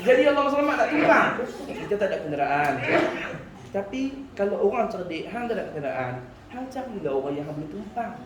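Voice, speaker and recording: A man's voice: high-pitched, a little fast, heavy background noise. A man preaching in a village prayer hall, telling stories with humor and acting out quoted speech. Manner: animated storytelling with laughter and acted quotes. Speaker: religious teacher. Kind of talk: village mosque sermon. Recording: echoey hall, speaker far from mic.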